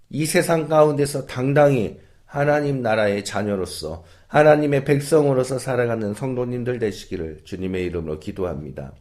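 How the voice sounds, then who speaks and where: A man, a pastor, giving an early-morning sermon in a church and closing with a prayer, earnest and measured, his sentences trailing off softer and lower.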